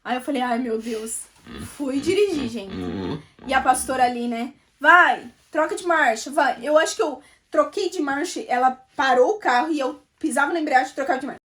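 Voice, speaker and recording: A woman's voice: high voice, a little fast. A woman giving an emotional personal faith testimony, chatting directly to her viewers.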